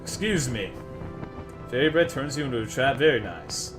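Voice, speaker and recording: Brash, profane streamer. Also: male voice, medium pitch, big pitch swings, normal speed, music in the background. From Texas. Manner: brash, profane, joking with chat. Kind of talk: casual live gaming stream chatter.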